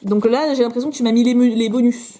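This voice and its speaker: A young woman chatting excitedly as she opens fan mail at home, with many fillers. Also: fairly high pitch, fast talker. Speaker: vlogger opening fan mail. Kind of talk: casual unboxing chat.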